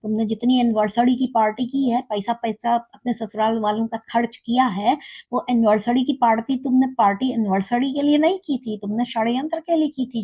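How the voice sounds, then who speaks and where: A woman's voice: a little high, mellow, breathy edge. A young woman hosting a reaction video, mocking and scolding the people she reacts to and dropping in English phrases. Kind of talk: sarcastic reaction commentary.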